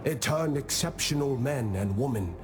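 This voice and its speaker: An actor playing a wise old tribal diplomat in a video game, speaking in a measured, solemn and philosophical way, calm and patient with a gently stern edge. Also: male voice, medium pitch, noisy background, lightly acted. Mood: measured, teaching. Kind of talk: scripted video game character monologue. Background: music.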